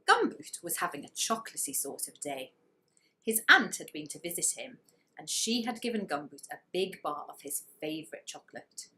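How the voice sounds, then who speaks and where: Lively, bright-voiced woman reading a children's story. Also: on the low side, moderate pace. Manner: dramatic emphasis, stretching key words. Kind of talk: expressive children's story narration.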